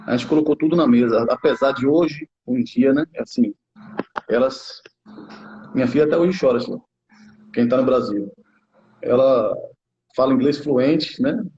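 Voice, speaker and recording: Brief: man in his 30s from Brazil, former player now coaching, halting casual interview talk, dull lo-fi recording. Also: medium pitch, very animated, vocal fry, dark tone. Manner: halting, many restarts and tag questions. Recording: muffled lo-fi sound.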